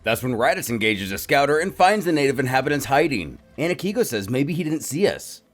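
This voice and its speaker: A man's voice: mid-range voice, big pitch swings, fairly quick. A man giving dramatic, scripted narration as he recaps a comic story. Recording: music behind the voice.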